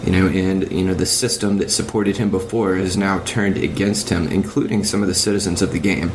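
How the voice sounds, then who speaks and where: A man speaks in a low voice with clear noise on the recording. He talks as a podcast panelist, laying out his analysis in a measured and thoughtful way. The audio sounds like dated amateur podcast sound. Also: steady tone. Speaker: podcast panelist discussing video games. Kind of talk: casual analytical discussion.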